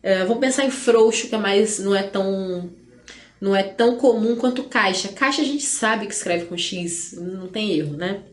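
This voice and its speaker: A Brazilian woman teaching an online exam-prep lesson. She explains slowly and deliberately, spells words out, and keeps checking in with "né?". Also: mid-range voice. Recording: echoey room.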